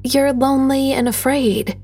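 A woman's voice: high-pitched, fairly even intonation, a little slow, a little mellow, slightly rough, soft background music, pitched above the performer's own voice. A woman voicing a brave young girl scout who speaks in a raised, earnest, pleading way.

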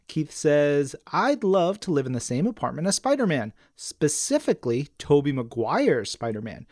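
A man's voice: on the high side, sing-song, normal speed, darkish tone, no room sound, clean studio sound. A man co-hosting a podcast, reading listener messages and chatting in an enthusiastic, conversational way. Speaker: podcast co-host. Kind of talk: casual chat and reading listener mail.

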